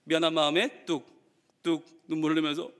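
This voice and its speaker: A male pastor giving a seminar sermon, telling animated stories and acting out what parents and children say. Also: on the high side, moderate pace, in a large hall. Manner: animated storytelling with acted quotes. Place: church hall.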